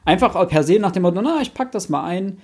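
A man's voice: high-pitched, expressive, fast, slightly rough. A man co-hosting a casual book discussion, explaining things step by step in a colloquial way. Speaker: podcast co-host.

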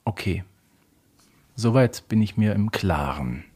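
A man with a slightly husky voice and lively, moving intonation. He co-hosts a podcast and chats casually through a quiz. He often mulls things over aloud in short phrases. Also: lowish voice, slow pace. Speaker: podcast co-host. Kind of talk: casual quiz chat about audio dramas.

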